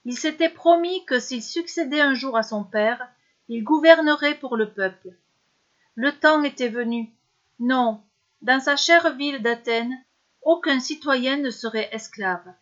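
High-voiced woman telling a story. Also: highs cut off. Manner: steady, measured storytelling. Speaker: narrator. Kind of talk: scripted story narration.

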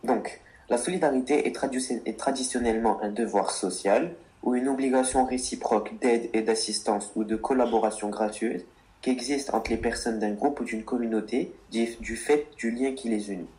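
A man's voice: mid-range voice, moderate pace, mellow. A man co-hosting a radio show about words, reading earnest explanations and answering teasing with mock exasperation. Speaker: co-host of a word radio show.

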